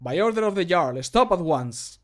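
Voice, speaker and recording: A man's voice: sits high, lively intonation, moderate pace, pitched above the performer's own voice. A man playing a stern fantasy town guard for a video game, in a commanding, projected voice. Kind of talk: video game voice line acting. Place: small closed room at home.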